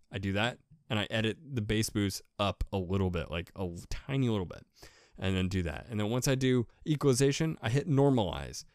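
A man with a deep voice giving a casual, rambling how-to talk as a podcaster, repeating himself with enthusiasm. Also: no room sound, clean studio sound. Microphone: USB desk microphone with pop filter.

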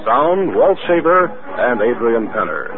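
Animated American radio announcer, a man. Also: mid-range voice, measured pace. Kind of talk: 1950s radio announcing, scripted. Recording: narrow-band 1950 radio recording. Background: orchestral music.

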